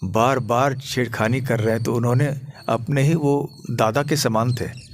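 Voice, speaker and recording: A monk preaching at a temple, telling a sacred story in a slow, measured voice. He speaks gently and pauses to search for words. A light hiss of noise sits behind him. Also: medium pitch, steady tone. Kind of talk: sermon storytelling. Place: temple on a pilgrimage tour.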